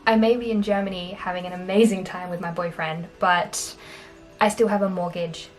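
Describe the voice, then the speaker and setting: A young Australian woman in her twenties, chatting casually on camera in a small bedroom, upbeat and quick to laugh. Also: fairly low pitch, steady tone, faint music behind, poor audio. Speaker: vlogger. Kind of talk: casual talking-head finance vlog.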